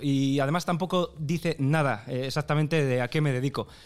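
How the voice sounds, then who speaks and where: Very clean recording of a man's voice against a silent background. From Basque Country, Vitoria. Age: 30s. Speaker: cook and online content creator. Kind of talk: interview.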